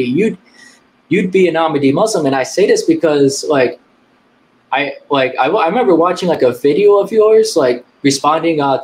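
A young man talking on a video call, halting and filling his speech with "like" and repeated words as he argues his view. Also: fairly high pitch, darkish tone, low-quality recording. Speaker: debate guest. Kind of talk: casual debate on a video call. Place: small room indoors.

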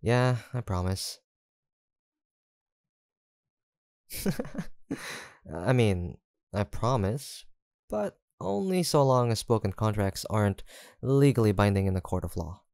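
A man's voice: on the low side, very animated, measured pace, gravelly, a little mellow, dry recording, studio quality, full character voice. A young man acting an easygoing, teasing, affectionate student roommate in an intimate, casual roleplay audio drama, with hesitant banter. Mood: teasing, encouraging. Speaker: voice actor.

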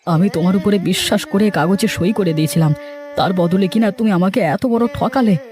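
A man's voice: high voice, brisk, darkish tone, lightly acted. Man acting a plaintive poor village farmer. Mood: hurt, lamenting. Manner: plaintive, pleading. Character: poor, trusting male village farmer, sorrowful and meek. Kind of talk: dramatic cartoon voice acting.

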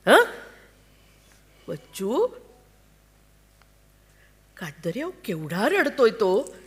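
A woman reading the part of an anxious, devoted wife and mother in a staged play reading, coaxing and pleading in a slow way. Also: a little high, big pitch swings, exaggerated voice. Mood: alarmed. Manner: pleading, coaxing, tender with a child.

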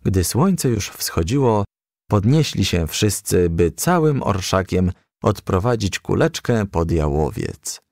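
A man reading a children's story aloud as a scripted narration, in an expressive, measured storytelling manner. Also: low-pitched, vocal fry, no room sound, studio quality. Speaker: audiobook reader.

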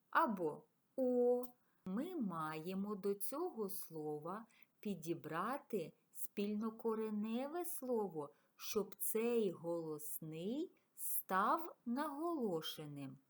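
A woman teacher records a video lesson for schoolchildren. She talks slowly and dictates example words with deliberate care. Her pitch moves a lot as she stresses the key sounds. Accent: Ukrainian.

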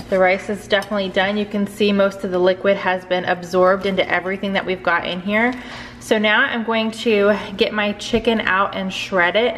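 A woman's voice: medium pitch, fairly bright tone, slight background noise. Woman in her thirties, home kitchen cook-along, chatty, upbeat, step-by-step, close camera mic. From United States. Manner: chatty and upbeat, walks viewers through each step. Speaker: cooking channel host. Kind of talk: casual cook-along vlog. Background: dishwasher running in the background.

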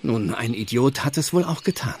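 Guy acting serious pious village vicar, audio drama, average pitch, solemn, bit of background noise. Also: lively intonation, normal speed, a little mellow, natural voice. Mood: dismayed. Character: grave, devout Anglican reverend, secretive and solemn. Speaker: actor in a radio play.

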